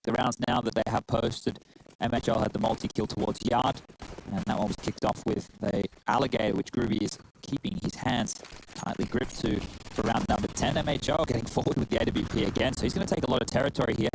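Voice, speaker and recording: A man with an Australian accent calling an esports match play-by-play, brisk and playful between rounds. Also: mid-range voice, steady tone, gravelly, background noise. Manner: brisk, quick-talking, playful banter. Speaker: esports caster. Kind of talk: play-by-play commentary.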